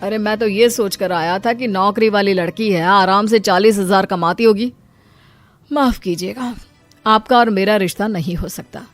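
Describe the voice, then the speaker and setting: A woman voicing a blunt, money-minded male suitor in his thirties in an animated story. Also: mid-range voice, moderate pace, soft background music, natural voice. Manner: blunt, transactional.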